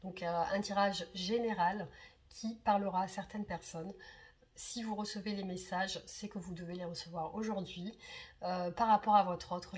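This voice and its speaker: A woman in her thirties, slightly hoarse from a cold, chatting to her viewers as a card reader, hesitant with many fillers and repeated words. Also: medium pitch, a little mellow. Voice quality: husky. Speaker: tarot reader and channel host. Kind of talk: casual direct-to-camera chat.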